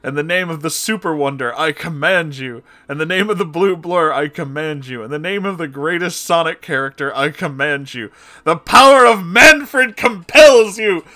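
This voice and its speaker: A man's voice: expressive, moderate pace. A man voicing a stern male exorcist who declaims solemn commands in a comic horror story. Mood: righteous fervour. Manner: declamatory, forceful, booming commands.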